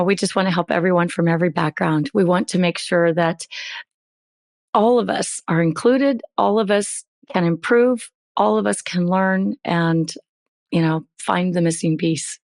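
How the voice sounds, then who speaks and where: Hoarse, gravelly-voiced woman host. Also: lowish voice, darkish tone, no echo, clean studio sound. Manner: chatty, upbeat, storytelling. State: hoarse, voice still recovering. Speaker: podcast host. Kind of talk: podcast intro, casual chat.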